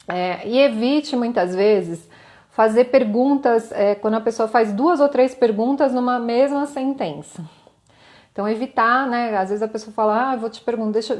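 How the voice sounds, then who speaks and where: Medium in pitch and darkish in tone, a woman with a Brazilian Portuguese accent leads a streamed communication lesson. Her explanations are conversational, dotted with small questions and gentle laughs, and she takes up viewer comments.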